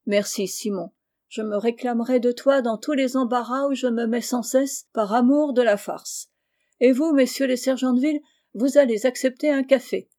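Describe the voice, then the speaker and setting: A woman reading the part of a jovial, teasing gentleman in a storybook, in a good-humoured way. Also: on the high side, normal speed, close to an everyday voice. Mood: amused. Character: jovial prankish gentleman, adult man.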